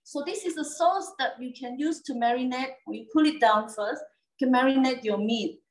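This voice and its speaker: A woman's voice: sits high, moderate pace, slight background noise. A woman hosting a cooking demonstration, explaining each step casually with many fillers and frequent "okay?" checks. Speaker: cooking show host. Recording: echoey room, mic at a distance.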